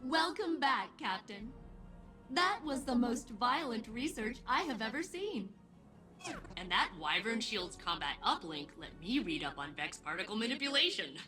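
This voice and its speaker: A woman voicing a chipper, literal-minded female ship AI in a video game, with prim, precise phrasing and deadpan asides. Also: fairly high pitch, unhurried, soft background music, full character voice. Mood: cheerful deadpan. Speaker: game character.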